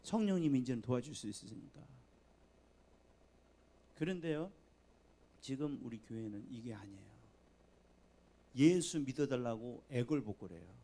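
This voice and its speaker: A man preaching a sermon in a church. He swings between soft, low asides and loud, emphatic appeals to the congregation. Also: expressive, measured pace, long pauses. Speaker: pastor. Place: church sanctuary.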